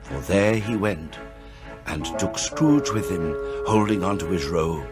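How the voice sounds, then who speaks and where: A man's voice: sits low, unhurried, over music. A man narrating a radio drama as a theatrical storyteller, relishing each descriptive phrase.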